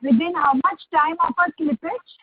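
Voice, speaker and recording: A woman's voice: sits high, normal speed. A woman analyst asking questions on an earnings call over the phone, polite and addressing the executive as sir. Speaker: analyst caller. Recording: tinny phone line.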